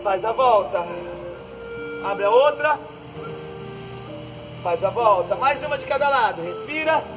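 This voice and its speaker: A Brazilian man leading an outdoor stretching class, giving calm breathing cues and joking lightly as he moves the group through each pose. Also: extremely high pitch, a little slow, low-quality recording. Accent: Brazilian Portuguese. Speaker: fitness instructor. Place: outdoor court, large open space. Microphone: far camera on the ground. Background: background music.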